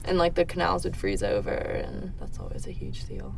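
A young adult woman giving casual answers as an interviewee in a relaxed conversational interview. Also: fairly low pitch, moderate pace, creaky. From Netherlands. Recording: faint background noise.

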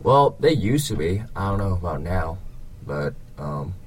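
A young man from Vietnam with a Vietnamese accent, answering interview questions casually in a hesitant, halting way. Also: low-pitched, big pitch swings, breathy edge.

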